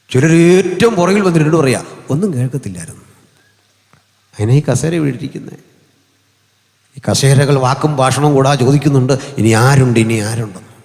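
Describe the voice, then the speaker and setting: Male Malayali pastor, mid-range voice, preaching through a mic in a big echoing hall, jokey and conversational, sudden high climbs. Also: darkish tone. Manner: humorous, conversational preaching with sudden rises in pitch. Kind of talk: sermon. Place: large hall. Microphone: hand or stand mic through an amplifier. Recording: long hall reverb.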